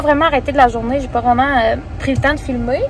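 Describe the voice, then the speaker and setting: A woman speaks at a high pitch and a fairly quick pace. Noticeable background noise runs behind her. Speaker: vlogger. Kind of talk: casual vlog monologue. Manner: fast; animated.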